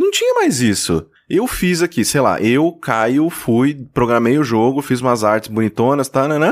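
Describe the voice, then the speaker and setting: An unremarkable speaking voice moves at a fairly slow pace with very even loudness. The recording is very clean, with a silent background. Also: man. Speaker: podcast editor and game developer. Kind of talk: casual chat.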